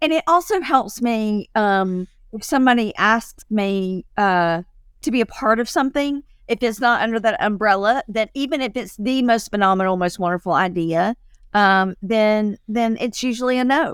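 A woman speaks with a Southern US accent at a moderate pace. Her fairly high voice has lively intonation. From US South, Georgia. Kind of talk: casual interview chat. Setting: call.

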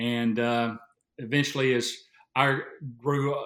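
With a Tennessee accent, a man speaks at a medium pitch. His intonation is fairly even. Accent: Southern US (Tennessee). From Tennessee, Williamson County. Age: 50s. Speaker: electric utility lineman. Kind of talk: casual interview.

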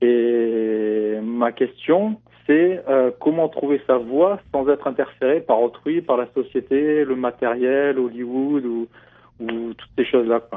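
Speaking at a very slow pace, a man uses medium pitch and ordinary pitch variation. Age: 20s. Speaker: caller, sales manager in family business. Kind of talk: phone-in call. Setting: phone call. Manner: hesitant with fillers.

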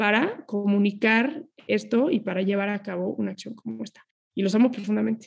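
A woman with a Mexican accent, fairly high-pitched, at a fairly quick pace. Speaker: criminologist and nonprofit spokesperson. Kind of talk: casual interview. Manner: animated.

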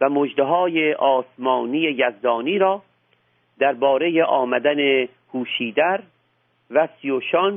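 A man at a very slow pace with long, frequent pauses, fairly high pitch, ordinary pitch variation and very even loudness. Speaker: religious historian and former professor. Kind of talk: scripted narration. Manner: formal.

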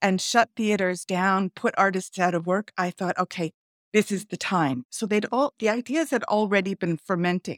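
An unremarkable speaking voice at a moderate pace, heard on a very clean recording with a silent background and a dry, close sound with no echo. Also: woman. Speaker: theatre director and playwright. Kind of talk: interview.

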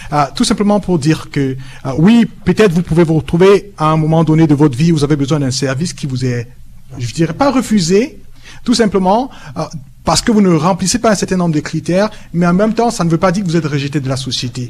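His voice sits high for a man and moves with lively intonation. He talks fairly quickly. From western Cameroon. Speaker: teacher. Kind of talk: formal debate. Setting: live radio broadcast before an audience.

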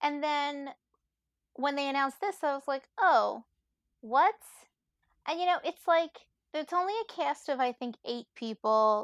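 In an American accent, a woman with a high pitch and lively intonation speaks at a fairly slow pace with long, frequent pauses, on a very clean recording with a silent background and a dry, close sound with no echo. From Brooklyn, New York. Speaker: theater fan. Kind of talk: casual chat.

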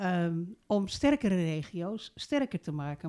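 A woman's fairly low voice in a dark, mellow tone with very wide pitch swings, on a very clean recording with a silent background. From Rotterdam, Netherlands. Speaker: council member and former city alderman. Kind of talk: panel discussion, interview.

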